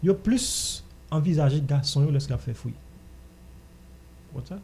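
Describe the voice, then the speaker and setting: A man's voice: a little high, animated, normal speed, dark tone, breathy edge. A man with a Haitian accent talking casually as host of a radio discussion.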